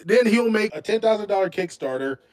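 A man in his late thirties whose voice sits high and swoops all over the place. He chats with friends in an excitable way and keeps throwing out wild ideas. His outbursts come often and loud. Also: a little fast. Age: 30s. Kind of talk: casual group chat.

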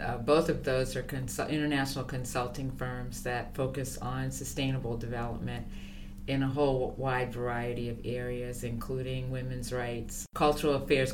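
An older woman speaking as an interview guest, answering in a thoughtful, measured way with fillers and pauses. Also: extremely low pitch, fairly even intonation, background noise. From born in Liberia, raised abroad. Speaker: guest, consultant.

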